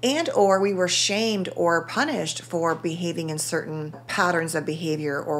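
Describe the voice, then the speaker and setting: At a moderate pace, a woman speaks in a fairly low pitch with ordinary pitch variation, her voice carrying audible room echo. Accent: Southern US. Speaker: psychologist. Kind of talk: educational talk.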